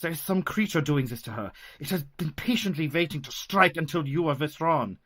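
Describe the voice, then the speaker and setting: A man's voice: fairly high pitch, expressive, brisk, a bit bright. A man playing a grave, commanding older doctor in a radio play. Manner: grave, urgent, formal.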